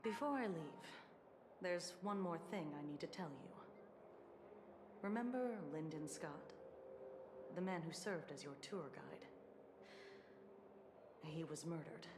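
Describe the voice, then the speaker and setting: A woman's voice: on the low side, animated, takes it slowly, long pauses, reverberant. An actress playing a weary, formal female investigator in a video game, with a dry, matter-of-fact manner. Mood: grave, matter-of-fact. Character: weary, businesslike female defense department investigator, dryly sardonic. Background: game music.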